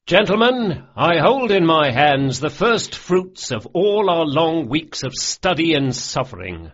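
A showy young gang leader of thieves, as a male narrator puts him on, raising his voice a little above his usual pitch and speaking loud and grand. His speeches swagger with mock ceremony. The audiobook sound is slightly dull and lo-fi. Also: sing-song, measured pace, exaggerated voice. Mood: grandly toasting.

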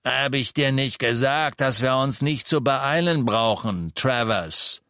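A man voicing a brutal dark wizard with a rough voice, sneering and bellowing threats. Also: mid-range voice, takes it slowly, no room sound, clean studio sound.

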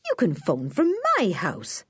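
A woman voicing a kindly middle-aged farmer's wife who talks in a homely, unhurried country way. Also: on the low side, huge pitch swings, fairly bright tone, husky, no echo, clean studio sound, heavily acted.

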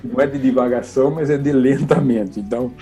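An older Brazilian man, an oboist, telling lively anecdotes in an interview, acting out quoted dialogue and laughing often. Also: mid-range voice, brisk. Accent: Brazilian Portuguese.

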